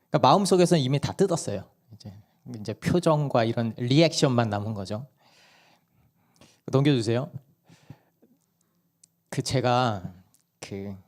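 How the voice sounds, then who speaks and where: Hoarse pastor guy preaching at church, casual storytelling, medium pitch, asks the crowd stuff. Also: a little mellow. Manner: conversational storytelling, asks the congregation questions. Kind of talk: sermon. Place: church worship service.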